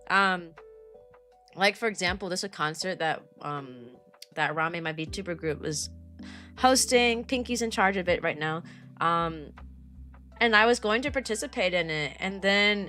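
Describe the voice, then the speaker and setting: A woman streamer chatting casually with her viewers, her voice raspy and weak from allergies, rambling in loose slang. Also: mid-range voice, pushed and bright. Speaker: VTuber streamer. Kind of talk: casual livestream chat, replying to chat.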